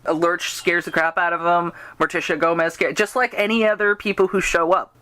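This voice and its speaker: Woman, lowish voice, podcast host, rambling casual chat, giggly, dry close sound. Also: brisk, dry recording. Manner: rambling, giggly, animated when quoting characters. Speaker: podcast host interviewing a guest. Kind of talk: casual chat about fan fiction and radio drama.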